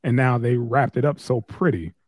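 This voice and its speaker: A man co-hosting a casual podcast chat, loose, profane and quick to laugh. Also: medium pitch, a little mellow, no room sound. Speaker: podcast co-host.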